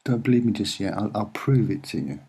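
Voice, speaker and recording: A soft-spoken man with a slightly husky voice, presenting and explaining images in an unhurried, earnest way with hesitant pauses. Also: on the low side, expressive. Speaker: online video presenter.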